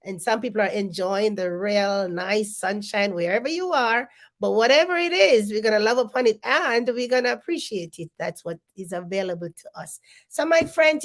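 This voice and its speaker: A middle-aged woman hosting an encouraging self-help talk, sounding stuffy and congested, with many ums and repeated phrases. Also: fairly high pitch. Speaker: host. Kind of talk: motivational live-stream talk.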